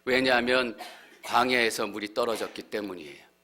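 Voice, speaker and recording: A male pastor giving an earnest sermon, growing louder and more fervent as he voices heartfelt prayers. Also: mid-range voice, normal speed, slight background noise. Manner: earnest preaching, swelling louder when voicing prayers.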